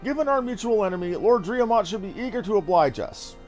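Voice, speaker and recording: A man voicing an earnest, self-assured young noble scholar from a fantasy game, reading dialogue in a formal, measured way. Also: sits high, expressive, darkish tone, faint music behind. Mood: formal, determined.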